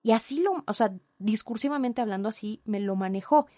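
A young Mexican woman with a Mexican accent telling an indignant, animated story with asides in a storytime vlog. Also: fairly high pitch, a little fast, no room sound, studio quality. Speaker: vlogger.

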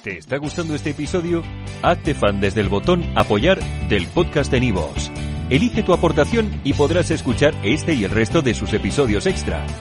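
A man's voice: medium pitch, very animated, normal speed. A man reading a scripted podcast promotion as an announcer. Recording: music bed behind the voice.

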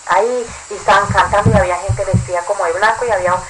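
Colombian woman haltingly recounting a dream. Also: mid-range voice, fairly even intonation, background noise. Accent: Colombian Spanish. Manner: halting, with restarts, searching for words. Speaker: interviewee giving a testimony.

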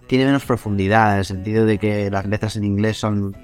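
A man from Spain with a low voice talks about his music in an interview. He is reflective and hesitant, repeating words as he searches for them. Faint music sits behind him. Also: steady tone, fairly quick, a little mellow. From Albacete, Spain. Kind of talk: interview answers.

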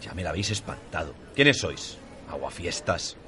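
Audio drama, male actor as indignant 19th-century composer: deep, haughty, scornful, slightly noisy recording. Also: lively intonation, moderate pace, sharp tone, heavily acted.

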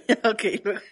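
A Mexican woman in casual chat, chiming in with quick jokes. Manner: quick jokey interjections.

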